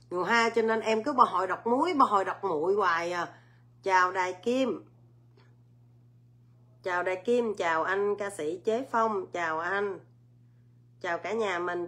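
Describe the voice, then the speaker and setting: Halting woman in an informal livestream. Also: medium pitch, a bit bright. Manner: halting, repeats words and phrases as she explains. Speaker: livestream host. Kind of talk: informal livestream talk to viewers.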